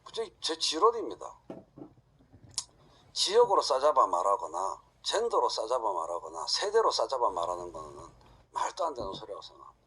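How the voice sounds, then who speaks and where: A middle-aged man lectures an audience, bluntly firing rhetorical questions. His voice is husky, and his pitch rises and falls widely and lively. He speaks directly and without hesitation. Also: brisk.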